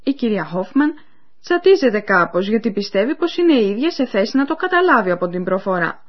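This is scripted teaching narration from a woman presenting a radio course, speaking to her listeners with clear explanations and lively pitch. Her voice comes through a muffled, dull, lo-fi radio recording.

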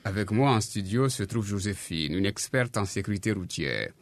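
A man presenting and narrating a radio program from a studio, measured and explanatory. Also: on the low side, lively intonation, no echo. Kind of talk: scripted narration.

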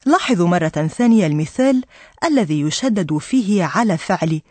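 A woman teaching a radio language lesson, explaining patiently and clearly to her listeners. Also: on the low side, lively intonation, brisk, a little mellow, dry recording.

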